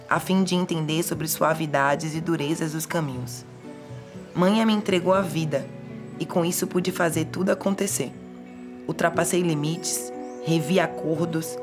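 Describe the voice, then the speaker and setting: A woman from Salvador, a writer and teacher, telling her story in a reflective, poetic, measured way. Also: on the low side. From Salvador, Bahia, Brazil. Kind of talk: personal reflective narration. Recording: voice over clear music.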